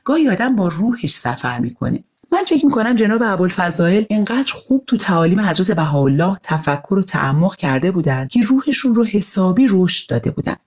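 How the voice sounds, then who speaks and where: A woman voicing a kind, patient father who explains things gently in a storybook reading. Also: mid-range voice, very animated, few pauses. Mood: gentle. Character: gentle, thoughtful father telling stories.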